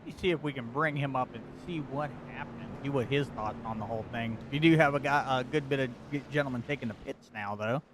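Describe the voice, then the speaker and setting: A man's voice: medium pitch, fast talker, few pauses, background noise. A man doing casual color commentary for an online truck race, chatty and often stammering as he starts a sentence. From United States.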